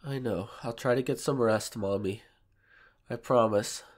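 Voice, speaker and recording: A man voicing a shy, submissive, sick young boyfriend in an ASMR audio roleplay, congested and soft, with hesitant, pleading delivery. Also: medium pitch, unhurried, natural voice. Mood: tired, obedient. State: sick, sore throat, stuffy nose.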